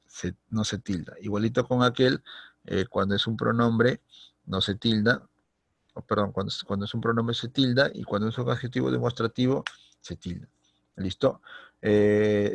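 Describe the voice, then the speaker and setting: A male teacher with a Peruvian Spanish accent walks students through a grammar lesson, pausing again and again to ask if they are following. His voice is heavily gravelly and husky, sitting a bit low. The sound is dry and close, with no room around it. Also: no echo. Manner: explains step by step, checks in with a constant "¿listo?". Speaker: secondary school teacher. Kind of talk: recorded remote grammar lesson.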